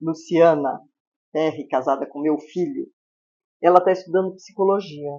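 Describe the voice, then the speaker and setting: A woman's voice: low-pitched, dark tone, slightly rough, lo-fi sound. An older woman hosting a studio chat show, talking in a chatty way and often finishing her guest's sentences. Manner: chatty, quick to agree and finish the other's sentences. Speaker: host. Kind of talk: casual chat.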